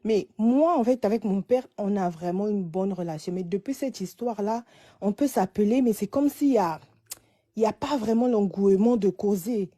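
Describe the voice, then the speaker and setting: With a warm, mid-range voice at normal speed, a woman in her late twenties phones an advice program. She relates her situation haltingly, starting over again and again.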